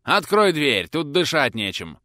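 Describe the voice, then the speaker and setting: A man voicing a young Russian officer, gasping and urgent in a dark fight. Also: low-pitched, big pitch swings, takes it slowly, no echo, studio quality, pitched below the performer's own voice, heavily acted. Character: young Russian prince officer, desperate, breathless, male.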